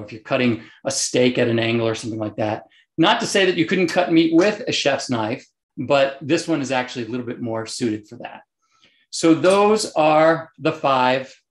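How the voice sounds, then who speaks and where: Audible room echo surrounds a man talking at a moderate pace. His loudness swings widely. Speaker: cooking instructor. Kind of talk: online class lecture.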